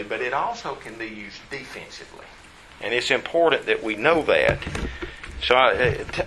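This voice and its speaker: A man's voice: mid-range voice, pushed and bright, a little hiss or hum, rough recording. A man preaching a Bible study sermon, stressing key words by repeating them and putting questions to his listeners.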